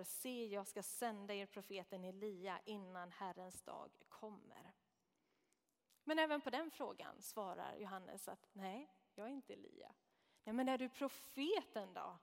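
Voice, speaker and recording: A woman reading a scripture passage aloud and then explaining it verse by verse in a measured, reflective teaching manner. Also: fairly high pitch. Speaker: Bible teacher. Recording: long reverb, hall-like.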